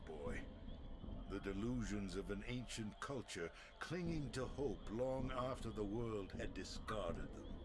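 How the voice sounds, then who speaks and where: A man's voice: lowish voice, noisy background. An actor playing an ancient, world-weary and haughty male vampire in a video game, sardonic, bitter and theatrical. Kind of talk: video game cutscene acting.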